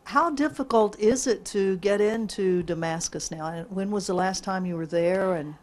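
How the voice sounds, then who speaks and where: A woman's voice: medium pitch, normal speed, a little mellow, slight background noise. A woman in the audience asking questions and adding a conversational comment. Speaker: audience member. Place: lecture room.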